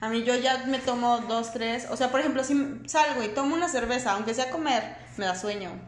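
A woman with a Mexican accent talks at a fairly quick pace in a high voice with ordinary pitch variation. Noticeable background noise and audible room echo fill the recording. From Mexico, Aguascalientes. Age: 30s. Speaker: podcast co-host. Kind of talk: casual chat.

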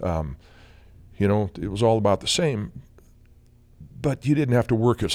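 Vocal fry and very wide pitch swings in a man's speech. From South Dakota. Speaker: bar owner. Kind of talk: casual interview chat. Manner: halting, many fillers.

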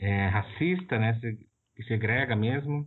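The man talks at a fairly slow pace. His pitch is medium. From Brazil, São Paulo city. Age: 30s. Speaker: visual artist. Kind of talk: interview.

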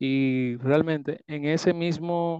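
Over a quiet background, an unremarkable speaking voice holds fairly even intonation, its sound dry and close with no echo. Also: man. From Dominican Republic, San Cristóbal. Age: 20s. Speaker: industrial engineer. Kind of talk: casual chat.

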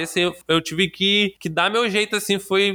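Speaking at a fairly quick pace, a man uses a raised, projected voice with a high pitch and monotone, flat intonation. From Rio de Janeiro state interior, Brazil. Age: 20s. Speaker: coffee entrepreneur. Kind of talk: casual interview. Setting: online call.

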